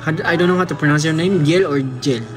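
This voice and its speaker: A man's voice: on the high side, steady tone, a little fast, over music. A young man with a Filipino accent chatting casually on a livestream, reading comments and teasing fans in a playful way. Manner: playful, teasing, mixes Tagalog and English.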